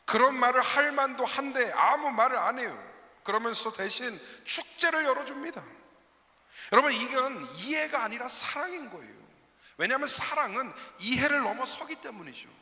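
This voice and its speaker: A man's voice: very high voice, pushed and bright, big-room sound. A man preaching a sermon as a pastor, telling a story and speaking directly to his congregation. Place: church sanctuary.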